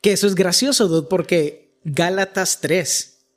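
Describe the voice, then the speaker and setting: Mexican man, high voice, easy joking co-host in a faith chat. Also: a little slow. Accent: Mexican Spanish. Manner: joking, self-deprecating asides. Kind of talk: casual faith discussion.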